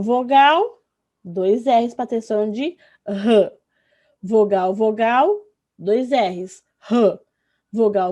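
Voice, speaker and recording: A primary school teacher with a Brazilian Portuguese accent and a mid-range, dark-toned voice gives an online lesson to young children. She draws words out slowly when spelling and affectionately checks in with "tá?" and "né?"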